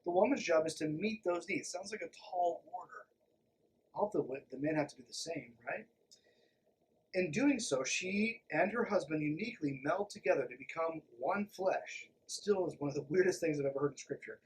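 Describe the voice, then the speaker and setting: A man's voice: on the high side, lively intonation, normal speed, a little hiss or hum, low-quality recording. A man hosting a podcast, reading aloud and commenting in an irreverent, sardonic, emphatic manner. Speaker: podcast host. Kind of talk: reading a text aloud with sarcastic running commentary.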